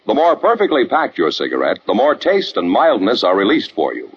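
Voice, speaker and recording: Lively 1950s radio announcer, a man. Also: on the low side, a little fast, faint music behind. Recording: dull old radio broadcast, faint hiss.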